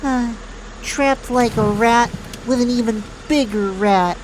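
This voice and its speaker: A woman's voice: on the high side, slow pace, slight background noise, rough recording. A woman playing a defiant, outraged kidnapped heroine in an audio drama, melodramatic and indignant.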